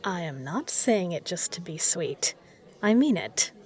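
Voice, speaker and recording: A woman playing a self-assured, particular bar regular in an audio roleplay, speaking in measured, formal phrases. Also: fairly low pitch, sing-song, darkish tone. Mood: warm, flirtatious. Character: poised, particular female bar regular, flirtatious and protective. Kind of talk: scripted audio roleplay addressed to the listener.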